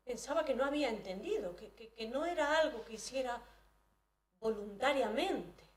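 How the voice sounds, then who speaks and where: A woman performs a first-person dramatic monologue at a live event, hesitant and often restarting her phrases. Her voice sits fairly high. She is heard from far off in a roomy hall. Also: animated, moderate pace. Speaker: storyteller.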